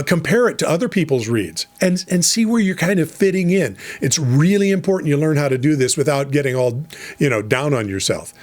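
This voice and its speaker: A middle-aged man giving casual, encouraging advice on voice over work, chatty with fillers and restarts. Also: a little high. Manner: conversational, frequent fillers and restarts. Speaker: voice over coach. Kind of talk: casual instructional talk.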